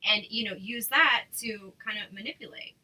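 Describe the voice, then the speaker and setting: A woman's voice: fairly high pitch, moderate pace, pushed and bright, poor audio. A woman hosting a casual chat over a video call, talking in loose, filler-heavy sentences with frequent restarts. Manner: chatty, many fillers and restarts. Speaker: host.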